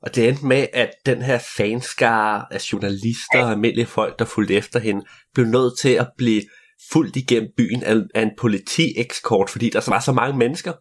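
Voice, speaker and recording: Young man spinning a playful tale. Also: medium pitch. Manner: playful, adds sound effects. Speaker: co-storyteller. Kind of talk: improvised storytelling with a friend.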